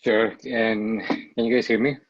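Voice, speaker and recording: Halting middle-aged man on a dull video call. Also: on the low side, level tone, no room sound. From Costa Rica. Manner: halting, repeats words while thinking. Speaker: panelist, startup founder. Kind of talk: casual panel talk.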